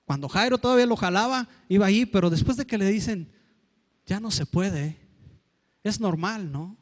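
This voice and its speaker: A man's voice: sits high, normal speed. A man with a Mexican Spanish accent preaching a sermon in a church, emphatic and acting out the voices he quotes.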